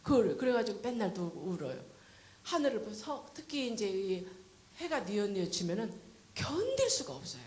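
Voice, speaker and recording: A woman's voice: medium pitch, sing-song, moderate pace, darkish tone. A woman in her fifties, an evangelist, giving an earnest, emotional testimony sermon in a church. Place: church sanctuary. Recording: echoey church hall with faint hiss.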